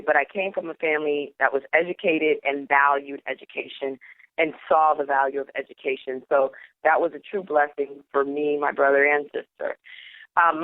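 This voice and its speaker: A woman's voice: sits low, no room sound. A woman from Trinidad with a Trinidadian accent, a guest telling her story in a playful, laughing, casual way. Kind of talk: casual interview chat. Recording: tinny phone-line call, dry.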